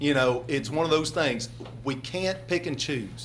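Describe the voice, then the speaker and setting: There is audible room echo as a man with a Southern US accent speaks. His pace is fairly slow, and his pitch variation is ordinary. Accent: southern drawl, a little deeper than locals. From eastern Kentucky. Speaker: resident speaking at public meeting. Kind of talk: public comment. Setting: public meeting hall.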